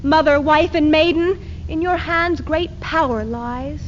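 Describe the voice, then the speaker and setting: A high-pitched, defiant feminist woman, acted by a woman recites with declamatory emphasis in readers theater. The old archive recording is muffled, with faint hiss. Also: unhurried. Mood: impassioned.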